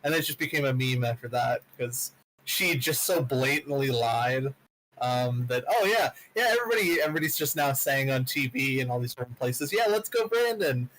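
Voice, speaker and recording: A man in an offhand, crude chat, his voice crackling and clipping through a microphone with the gain pushed far too high. He comes through an online voice call, with a faint hiss behind him. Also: brisk, fairly bright tone. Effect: clipping, distorted microphone from gain set too high. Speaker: tabletop game player. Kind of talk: casual chat. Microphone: home microphone over voice chat.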